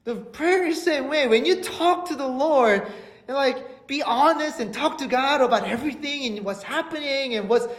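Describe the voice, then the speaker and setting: A man preaching a sermon in Korean and English, asking the congregation rhetorical questions and then restating each point slowly in English. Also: very high-pitched, a bit bright. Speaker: pastor. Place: church sanctuary. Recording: echoey church hall.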